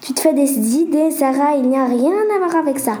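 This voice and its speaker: A woman voicing a calm, teasing boy who talks in a reassuring, easygoing way. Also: sits high, a little fast, lightly acted.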